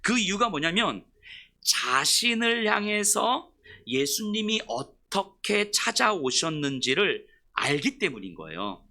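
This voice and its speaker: A man preaching a sermon as pastor, telling the story in an animated way and putting questions to his congregation. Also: high voice, unhurried, vocal fry.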